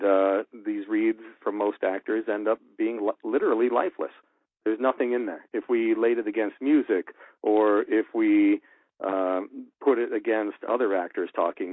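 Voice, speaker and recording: Man with a low voice on a tinny line. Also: no echo. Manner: candid, explanatory, with many fillers. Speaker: radio producer and audio engineer. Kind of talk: voice-acting advice talk. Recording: tinny phone-like line, dry.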